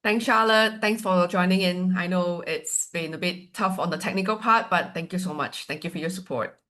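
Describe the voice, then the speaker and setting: A woman's voice: fairly low pitch, moderate pace. A woman from Malaysia with a Malaysian accent, giving a chatty, playful webinar presentation over a video call. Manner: chatty, lively, with a light playful tone. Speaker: university representative presenting to agents.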